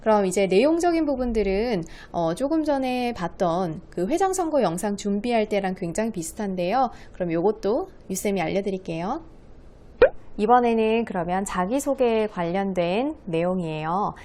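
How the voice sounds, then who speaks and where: A woman's voice: medium pitch, expressive, moderate pace, dark tone. Friendly woman speech coach teaching kids. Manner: friendly, patient teacher voice addressing children. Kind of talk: lesson for schoolchildren.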